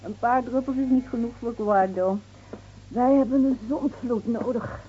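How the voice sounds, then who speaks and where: A woman's voice: on the high side, moderate pace, a little hiss or hum, close to an everyday voice. An actress playing a bitter, weary middle-aged village mother in a radio play, curt and fatalistic in manner. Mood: curt, sour. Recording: dull, muffled old radio play recording.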